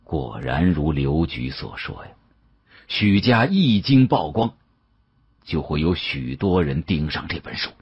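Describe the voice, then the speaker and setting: Male audiobook narrator, low and very husky, colloquial delivery, dull recording. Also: unhurried, no room sound. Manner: colloquial, expressive storyteller. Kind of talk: dramatised first-person storytelling.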